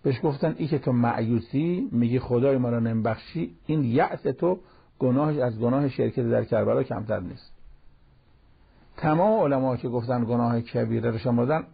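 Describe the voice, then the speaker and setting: A cleric with a gravelly, husky, mid-range voice gives a Quran commentary talk in an easy conversational style, sermon-like, slipping in recited Arabic verses. The sound is dull and lo-fi, like an old radio broadcast.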